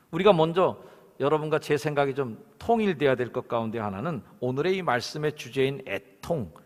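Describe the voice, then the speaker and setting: Expressive preacher in a reverberant church. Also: male voice, medium pitch. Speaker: senior pastor. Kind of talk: sermon. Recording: long church hall reverb.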